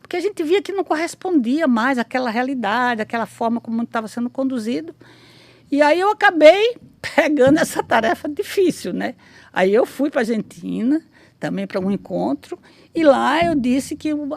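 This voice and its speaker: A woman's voice: fairly high pitch, gravelly, no room sound. A woman in her sixties telling her life story in a casual interview, rambling with many restarts and tag questions. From Brazil. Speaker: interview guest, memoirist.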